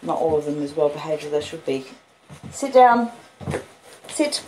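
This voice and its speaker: Low-voiced Australian woman in her fifties, noisy recording. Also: animated, normal speed, a little mellow. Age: 50s. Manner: chatty, breaks off to talk to pet dogs. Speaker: host reading a classic novel aloud to listeners. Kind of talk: casual homely chat and audiobook-style reading. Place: at home indoors with dogs.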